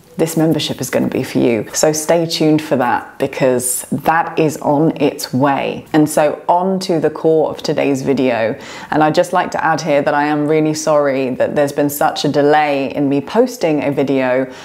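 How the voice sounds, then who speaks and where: A woman with a very deep, low pitch speaks at a moderate pace with ordinary pitch variation. She leaves hardly any pauses, and noticeable background noise is present. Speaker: spiritual coach. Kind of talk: spiritual talk to camera. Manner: slightly slurred speech.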